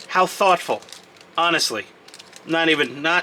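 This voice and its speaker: A man with a New York accent speaks in a raised, projected voice. Noticeable background noise is present. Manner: casual, rambling, many filler words.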